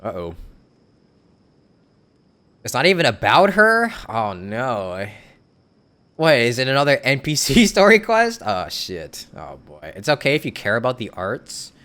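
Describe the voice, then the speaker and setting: A man's voice: medium pitch, huge pitch swings, unhurried, long pauses, fairly bright tone, clear, resonant tone. A man streaming a video game, casual and laid-back. He laughs often and answers his chat. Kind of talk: casual live-stream commentary.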